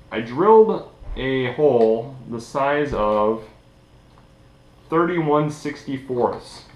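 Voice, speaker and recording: A young man giving a casual, informal hands-on tutorial, sitting at a table indoors. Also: mid-range voice. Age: young adult. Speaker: DIY tutorial host. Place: small indoor room at a table. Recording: echoey room.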